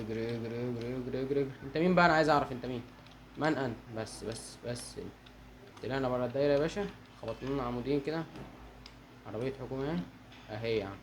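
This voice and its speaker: A young man with an Egyptian Arabic accent giving excitable gameplay commentary and talking to his viewers. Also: medium pitch, a little hiss or hum. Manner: fast, excitable, talks to viewers. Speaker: gaming channel host.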